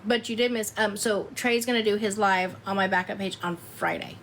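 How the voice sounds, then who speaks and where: A woman in her fifties chatting casually with viewers on a livestream, loud and laughing often. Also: medium pitch, steady tone, brisk, a little hiss or hum. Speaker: live streamer.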